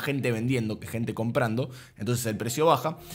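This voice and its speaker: A man's very fast speech with ordinary pitch variation over light background noise. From Argentina. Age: 20s. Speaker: trading and investing youtuber; investing youtuber. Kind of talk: market analysis tutorial. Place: home room.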